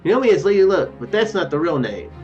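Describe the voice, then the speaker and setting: A confident, lusty superheroine from a visual novel game, read aloud by a man, matter-of-fact yet with lively pitch. The recording is dull and lo-fi, with faint music. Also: quick pace, distant mic. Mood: confident, seductive. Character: lusty, confident superheroine sharing her powers.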